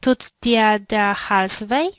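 Female co-presenter, measured answers, dry close recording. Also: mid-range voice, no echo. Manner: slow, clear answering in drills. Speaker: language lesson co-presenter. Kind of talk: language lesson answers.

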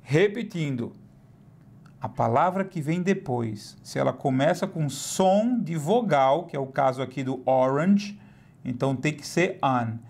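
A man teaching English in a recorded online lesson, explaining slowly and repeating each example word. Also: on the high side, animated, gravelly, a little mellow.

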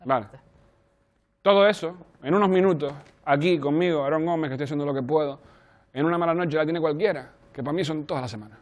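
A man's voice: on the high side, fast talker, highs cut off, a little hiss or hum. A man hosting a late-night show, rambling in a flustered, self-deprecating way through his opening bit. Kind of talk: comic late-night monologue. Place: TV studio with a live audience. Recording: studio audience and music.

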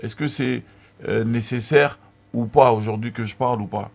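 A man's voice: mid-range voice, normal speed, gravelly. A man in his thirties, a guest on a radio talk show, talking animatedly into a studio mic and cutting in on the others. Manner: animated, talks over others, gestures while speaking. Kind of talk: casual studio chat. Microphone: studio mic on boom, headphones.

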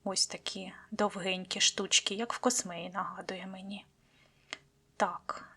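A woman talking casually as she unboxes seed packets, fond of diminutives, often dropping to a soft whisper. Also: medium pitch, steady tone, measured pace, gravelly, slightly rough. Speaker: gardening vlogger.

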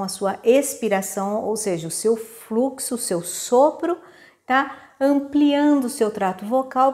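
A woman's voice: on the high side, a little mellow. Brazilian woman teaching singing, patient and instructive. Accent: Brazilian Portuguese. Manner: patient, instructive, checks in with "tá?" often. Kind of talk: vocal lesson with demonstrations.

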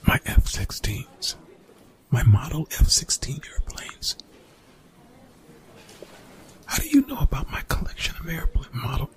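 A man playing a young college bully in an ASMR roleplay, gruff, defensive and grudgingly apologetic, in hushed, breathy, exasperated slang with swearing. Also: huge pitch swings, moderate pace, low-quality recording. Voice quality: whispered, breathy, gravelly low voice.

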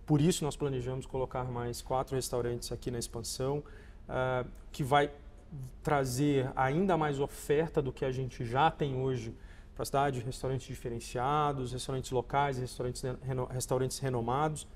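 A man's voice: medium pitch, level tone, moderate pace, darkish tone. Brazilian man, echoing interview sound. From Goiás, Brazil. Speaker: interview guest, shopping mall executive. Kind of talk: polished conversational interview answers. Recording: reverberant space with faint background noise.

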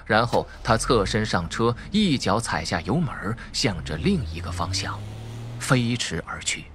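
A man's voice: fairly low pitch, very animated, a little slow, a bit bright, a little hiss or hum. A man narrating a suspense audiobook in a dramatic, emphatic storytelling manner.

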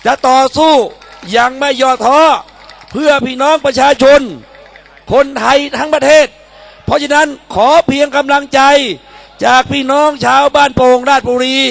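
A man's voice: very high voice, steady tone, moderate pace, gravelly, a bit bright, dry recording. A man speaking at a political rally, declaiming in short, emphatic phrases as he urges people to back a candidate. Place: public campaign rally in Thailand.

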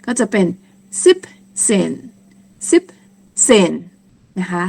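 A woman teaching a lesson on German numbers, speaking slowly and patiently and repeating each word several times. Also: a little mellow. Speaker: language teacher.

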